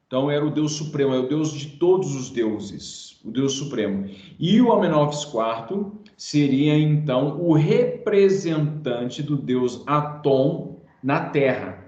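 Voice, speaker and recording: A man's voice: a little high, animated, unhurried, few pauses, mellow. Man teaching history in a roomy, muffled room. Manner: explanatory, playful asides to students. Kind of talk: online class lecture.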